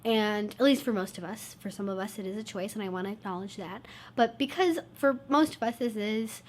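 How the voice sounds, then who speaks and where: A woman's voice: mid-range voice, brisk, slight background noise. A woman hosting her own channel, talking casually to camera with a congested, stuffed-up nose and little energy. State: low on energy. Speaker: YouTube channel host.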